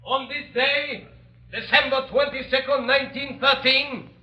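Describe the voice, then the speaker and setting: An actor playing a stern male prison official who reads out a sentence formally and slowly, in 1930s radio drama style. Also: very high-pitched, steady tone, muffled recording. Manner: formal, slow, measured pronouncement. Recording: echoey old radio recording with organ music.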